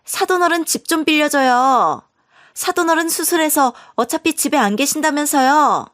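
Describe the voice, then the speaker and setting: A woman's voice: high voice, normal speed, fairly bright tone, voice pushed up. A woman voicing a rude, shameless young sister-in-law who talks in a brash, entitled way. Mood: pushy.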